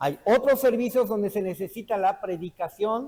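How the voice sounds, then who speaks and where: Male speech, high in pitch, with ordinary pitch variation. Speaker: preaching and public speaking teacher. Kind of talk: lecture.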